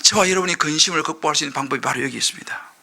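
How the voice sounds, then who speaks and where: A middle-aged male pastor preaching a sermon, impassioned, swinging from loud outbursts to hushed asides. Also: on the high side, racing, gravelly. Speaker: senior pastor.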